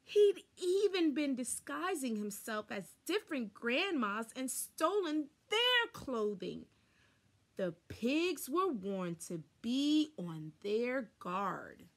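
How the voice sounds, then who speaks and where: A young adult woman reading a children's story aloud expressively, with deliberate, dramatic emphasis, recorded indoors on a camera a short distance away. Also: sits high, sing-song. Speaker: storybook reader. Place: small furnished room indoors.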